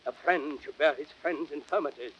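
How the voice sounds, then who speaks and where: A man's voice: fairly high pitch, fairly quick, a bit bright, natural voice. An actor playing a passionate, wounded, hot-tempered Roman nobleman, declaiming verse in a classical Shakespearean audio drama. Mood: hurt, angry. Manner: impassioned, declamatory theatrical verse delivery. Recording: dull, noisy vintage drama record.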